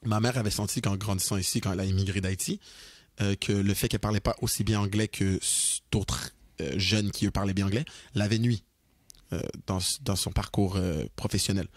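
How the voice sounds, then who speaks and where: Québécois guy, young, podcast chat, kinda husky and low, dry close mic, animated and slangy. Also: a little fast, no echo. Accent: Québécois French. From Quebec, Canada. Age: young adult. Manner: animated, slangy, switches into English. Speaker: podcast co-host. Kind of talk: casual chat.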